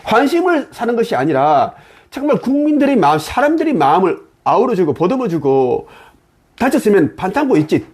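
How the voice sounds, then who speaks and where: A man's voice: high voice, darkish tone, slightly rough. A man talking alone to his viewers in a preachy tone, throwing in many rhetorical questions. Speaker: channel host. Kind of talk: monologue.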